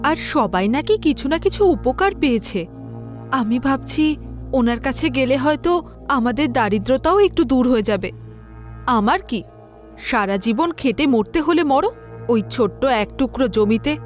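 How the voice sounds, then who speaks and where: Casting: actress as fed-up village wife, high voice, nagging and persuasive, audio drama with music underneath. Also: female voice, lively intonation, a little slow. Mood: nagging, discontented. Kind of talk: dramatized horror audio story.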